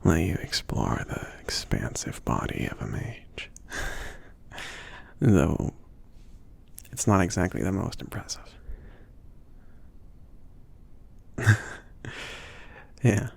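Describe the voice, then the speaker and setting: Breathy, whispering man as an easygoing male mage. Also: low voice, big pitch swings, slow pace, pauses often, full character voice. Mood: shy, playful. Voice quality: breathy, half-whispered, gravelly. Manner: hesitant, rambling, gently teasing. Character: soft-spoken, bashful, easygoing male mage shopkeeper, indulgent. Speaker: ASMR roleplay performer. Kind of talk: intimate ASMR roleplay.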